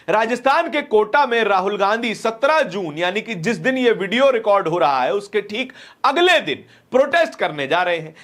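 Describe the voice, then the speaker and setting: A male news presenter with a high-pitched voice delivers political commentary straight to his viewers. He explains his points step by step and repeats key phrases for emphasis. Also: fairly bright tone.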